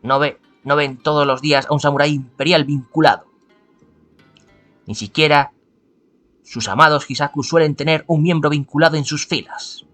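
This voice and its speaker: A man's voice: on the high side, steady tone, moderate pace, a bit bright, faint music behind, close to an everyday voice. A man reading out the lines of a blunt, proud imperial samurai in his own plain voice. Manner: read plainly in the player's own voice.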